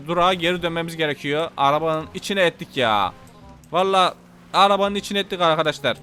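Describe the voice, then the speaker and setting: A man giving casual, excitable commentary while playing a game, talking to his viewers and to the passengers in the game. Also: high-pitched. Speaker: gameplay commentator.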